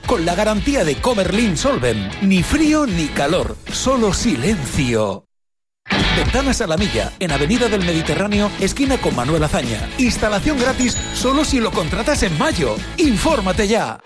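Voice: medium pitch, very animated, moderate pace, loud music behind the voice. A voice-over artist reading a radio commercial with a sing-song, emphatic delivery.

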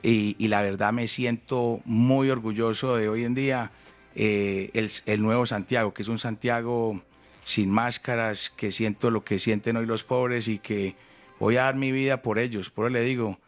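A man's voice: medium pitch, fairly even intonation, normal speed, soft background music. Emphatic Colombian paisa man in his fifties, candidate in a heated interview. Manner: emphatic, repetitive, calls people brother. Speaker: presidential candidate.

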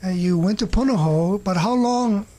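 A woman hosting a Christian talk show, reading an earnest introduction and asking questions in a measured way. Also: medium pitch, mellow. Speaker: host. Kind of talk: scripted intro and interview questions.

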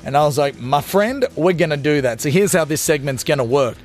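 A man's voice: a little high, animated, fairly quick, faint music behind. A young Australian man hosting a late-night radio show, ranting crudely and comically to listeners in a studio. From Australia (Gold Coast, Queensland). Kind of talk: energetic talk radio monologue.

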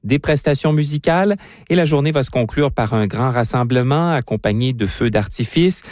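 A man with a Canadian French accent delivering a scripted correspondent's report in a steady, formal manner. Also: mid-range voice, moderate pace, dry recording, studio quality. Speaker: foreign correspondent.

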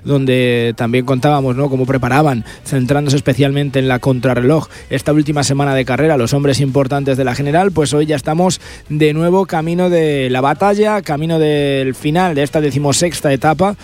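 A man's voice: mid-range voice, steady tone, brisk, darkish tone. A man reporting on a cycling race for radio, fluent and detailed. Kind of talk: live sports report.

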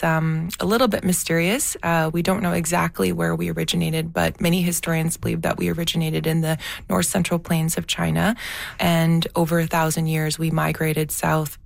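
A low-pitched woman with a gravelly edge talks through her answers slowly and thoughtfully. She hesitates and restarts as she works out what she means. The recording is dry and close. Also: no echo. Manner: thoughtful, searching for words, many fillers and restarts. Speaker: documentary filmmaker, guest. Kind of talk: reflective interview answers.

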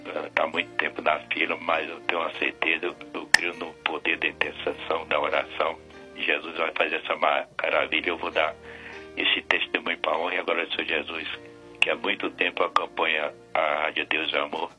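A man's voice: rumbling low, little pitch movement, fairly quick, pushed and bright. A middle-aged or older Brazilian man from Bahia calling a radio prayer show, chatting casually. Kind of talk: casual phone-in chat. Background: music bed.

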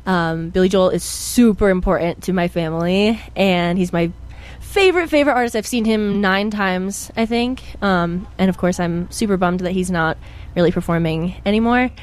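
Bubbly young woman musician, lower voice. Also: normal speed, clear, resonant tone. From Pennsylvania. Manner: bubbly, chatty, full of fillers. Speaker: guest musician. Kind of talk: casual interview.

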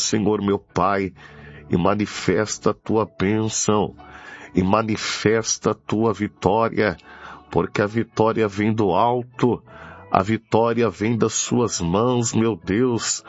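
A Brazilian man prays fervently in a very slow, deliberate delivery. His voice is markedly gravelly, and he pleads in repeated phrases and devotional interjections. Faint music plays behind the preacher. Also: fairly low pitch, fairly even intonation. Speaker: preacher leading prayer. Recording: dull lo-fi audio with music behind.

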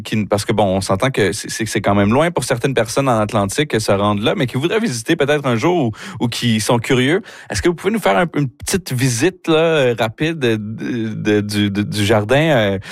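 A man's voice: mid-range voice, no room sound, studio quality. A man hosting a radio interview, asking friendly questions that halt and restart often.

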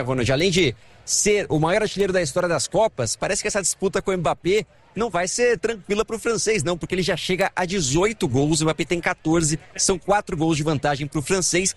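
A man reporting live from a stadium, with a somewhat high voice. He talks in a lively, animated way and keeps addressing the host.

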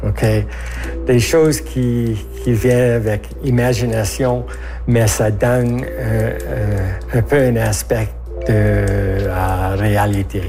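Slow halting man over music. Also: on the low side. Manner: halting, searching for words. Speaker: self-taught painter, interviewee. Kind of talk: recorded interview clip.

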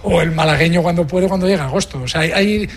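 Higher-voiced Spanish man, radio banter. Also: fast talker, slight background noise. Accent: Spain. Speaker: radio co-host.

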